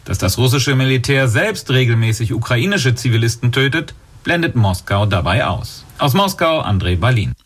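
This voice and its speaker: Man, news correspondent, husky voice, sober, measured. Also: mid-range voice, big pitch swings. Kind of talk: scripted news report.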